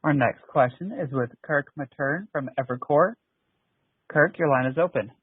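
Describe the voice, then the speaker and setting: A man's voice: a little high, moderate pace, slightly rough, no room sound. A man working as a conference call operator, giving scripted announcements over the phone. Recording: thin, dry phone-line audio.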